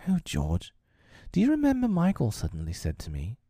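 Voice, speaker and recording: Gentle storybook mother, played by a male reader, placid and tender, soft mellow tone. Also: a little high, huge pitch swings, moderate pace, vocal fry, no echo, studio quality, pitched above the performer's own voice, heavily acted. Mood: wistful. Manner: soft, soothing. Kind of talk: storybook character reading.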